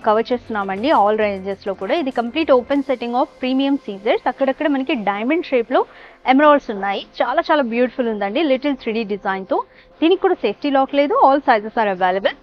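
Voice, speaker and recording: A jewellery store presenter, a young woman with a high, bright voice, cheerfully pitches products in a showroom, switching between Telugu and English. This product showcase comes across as a dull, lo-fi voice recording with faint soft music in the background.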